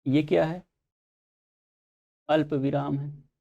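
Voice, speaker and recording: Gravelly-voiced man teaching a class. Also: fairly high pitch, level tone, takes it slowly, mellow, lo-fi sound. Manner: explains step by step, asks and answers his own questions. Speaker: Hindi exam teacher. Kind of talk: online exam-prep lesson.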